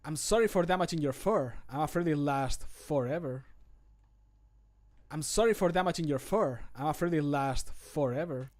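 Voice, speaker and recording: A man's voice: on the high side, moderate pace, a little mellow, natural voice. Man voicing a punning, mock-sincere fantasy game character. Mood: mock apologetic. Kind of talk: scripted game voice lines.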